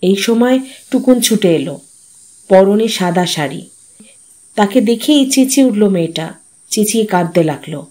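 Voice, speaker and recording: A woman who hosts her own story channel, reading a short story aloud in a calm, even storytelling manner. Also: fairly high pitch. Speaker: story narrator and channel host.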